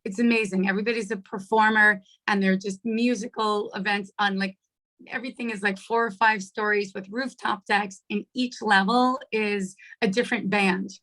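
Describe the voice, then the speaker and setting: A middle-aged woman with a hoarse voice leading an online coaching workshop on a video call, chatty and checking in with her listeners often. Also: mid-range voice, steady tone, moderate pace, a bit bright. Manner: chatty, checks in with "right?" and "okay?". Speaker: workshop leader. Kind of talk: live online coaching talk.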